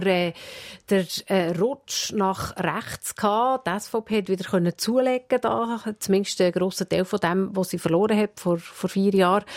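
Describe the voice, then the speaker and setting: Woman, Swiss German accent, average pitch, conversational news interviewer. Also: a little mellow. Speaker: radio interviewer.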